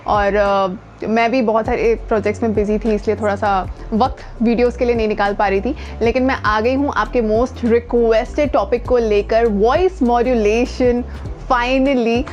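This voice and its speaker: A woman's voice: fairly high pitch, fairly even intonation, measured pace, a little mellow, soft background music. An Indian woman giving an informal lesson as a voice coach, speaking conversationally and emphatically, with English words mixed in. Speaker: voice coach and video host. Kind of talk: informal instructional talk to camera. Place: outdoors near the speaker's home.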